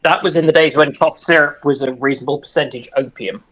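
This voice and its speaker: A man's voice: on the high side, fairly even intonation, fast, a bit bright, poor audio. A man chatting casually as a panelist, phrasing his points in a hesitant, tentative way. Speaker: panelist on a live discussion. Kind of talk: casual chat.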